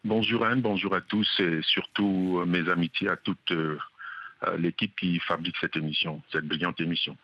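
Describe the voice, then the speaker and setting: A man's voice: low voice, fairly even intonation, moderate pace, no room sound. A man calling into a radio show, earnest and hesitant, with many fillers. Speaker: caller. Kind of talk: radio call-in. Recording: dull phone line.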